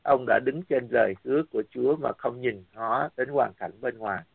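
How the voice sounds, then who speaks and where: Gravelly-voiced man preaching over tinny line. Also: medium pitch, fairly quick, no echo. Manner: lively storytelling, acting out dialogue. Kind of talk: sermon storytelling. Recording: dry, tinny phone-like sound.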